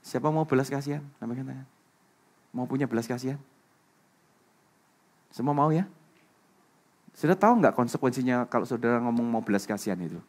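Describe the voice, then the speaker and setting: Indonesian pastor preaching with loud emphatic peaks. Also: male voice, medium pitch, expressive, a little fast, pauses often. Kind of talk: sermon.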